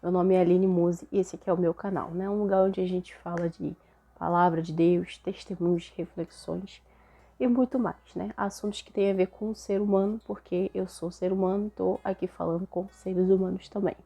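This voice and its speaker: A young Brazilian woman with a Brazilian Portuguese accent, hoarse and a little nasal from a cold, chatting casually to camera as host of her faith channel, often tagging her sentences with questions. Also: fairly low pitch, steady tone, normal speed, dark tone. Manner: chatty, frequent tag questions.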